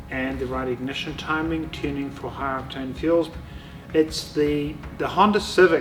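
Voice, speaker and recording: With a New Zealand accent, a man speaks at a moderate pace in a fairly high voice with ordinary pitch variation, amid audible room echo and noticeable background noise. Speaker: tuning company co-owner. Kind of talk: interview.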